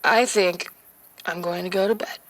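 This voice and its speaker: A woman's voice: fairly low pitch, fairly even intonation, normal speed, a bit bright, natural voice. A woman playing a weary, tipsy single mother in her thirties in an audio drama, talking in a tired, affectionate way. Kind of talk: audio fiction drama acting.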